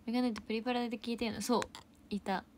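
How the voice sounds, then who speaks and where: A young woman hosts a casual idol livestream, speaking very fast in a slightly high, flat voice over slight background noise. She reads viewer comments aloud, thanks people for gifts, and often slips into soft, whispery asides.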